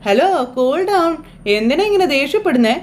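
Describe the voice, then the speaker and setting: A woman voicing a sharp-tongued young woman who mocks her sister-in-law. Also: high-pitched, animated, moderate pace, pitched above the performer's own voice. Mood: mocking.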